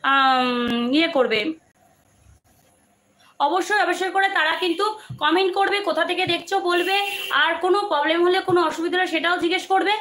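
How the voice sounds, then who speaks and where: High-voiced woman selling jewelry live. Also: fairly bright tone. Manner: repetitive, coaxing, many fillers and restarts. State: strained throat. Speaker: live-stream jewelry seller. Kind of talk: casual live-stream sales pitch. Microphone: no microphone, phone or camera mic.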